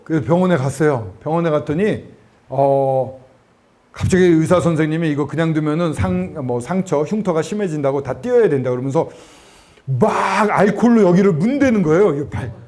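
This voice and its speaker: High-voiced man preaching a lively sermon. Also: a little fast. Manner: animated storytelling, acting out quoted voices. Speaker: preacher at student gospel camp. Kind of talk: sermon with personal story.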